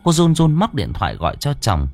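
A man's voice: huge pitch swings, fairly quick, a little mellow, faint music behind. A man narrating a ghost story dramatically. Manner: dramatic, swinging pitch.

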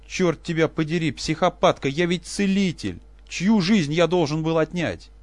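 A man's voice: medium pitch, expressive, moderate pace, no echo, close to an everyday voice. A man voicing a broken, aging male professor who turns desperate and explosive. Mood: furious. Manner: shouting, frantic.

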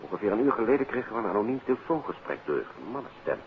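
Sober police official, very deep, formal, 1950s radio play, tinny noisy recording. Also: male voice, sing-song, racing. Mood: grave. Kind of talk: 1950s Dutch radio drama acting.

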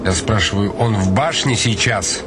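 A man's voice: fairly low pitch, normal speed, heavy background noise, natural voice. A man acting in a radio drama as a commanding nobleman, curt and questioning. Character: commanding nobleman secretly observing, questioning troopers. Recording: loud music behind the voice. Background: loud music.

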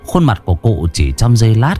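A man narrating a horror story in a dramatic, expressive storytelling style. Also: fairly low pitch, fairly quick, faint music behind.

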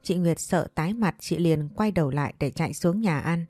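A woman telling a ghost story in the first person, in a steady dramatic manner. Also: on the low side, normal speed, no room sound.

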